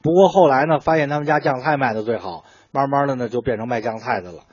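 A man's voice: mid-range voice, quick pace, breathy edge, no echo. A man with a Beijing accent explaining things conversationally, like a storyteller who poses questions and then answers them. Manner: colloquial storyteller, asking and answering own questions. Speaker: food writer guest explaining dishes. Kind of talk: conversational explanation of traditional cooking. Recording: muffled, dull lo-fi sound.

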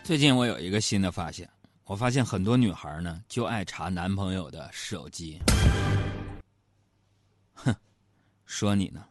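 Lively, teasing man telling comic stories. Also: low-pitched, measured pace, pauses often, over music. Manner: chatty, teasing, asks the audience rhetorical questions. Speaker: comedy talk show host. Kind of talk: comic storytelling monologue.

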